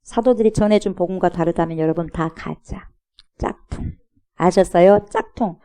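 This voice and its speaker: Gravelly-voiced woman pastor preaching. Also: lowish voice, normal speed, mellow. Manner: emphatic preaching with rhetorical questions, mocking imitations of scoffers. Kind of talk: sermon.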